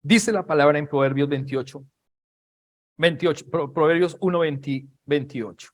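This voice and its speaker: A man's voice: on the high side, normal speed. A man preaching a sermon, dramatic and emphatic, repeating phrases for emphasis and acting out scenes. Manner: dramatic, acts out Bible scenes in raised voices.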